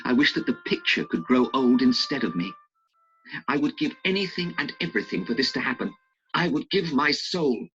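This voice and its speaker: A man's voice: mid-range voice, big pitch swings, normal speed, fairly bright tone, faint music behind, voice pushed up. A man reading an audiobook voices a vain, anguished young man with a raised, pleading voice. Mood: wistful. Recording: dull lo-fi recording.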